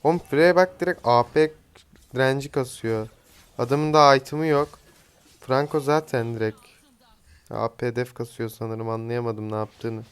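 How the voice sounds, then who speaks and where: A man's voice: medium pitch, unhurried, clean tone. A young man giving casual commentary while he plays a mobile game, chatty and teasing, swearing lightly at teammates. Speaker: gaming streamer. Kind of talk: casual live gameplay commentary.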